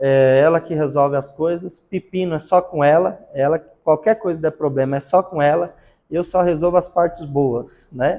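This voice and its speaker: Speaking at a moderate pace, a man with a fairly high pitch and a dark, mellow tone keeps his intonation fairly even. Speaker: theology professor and pastor. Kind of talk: lecture. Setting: classroom.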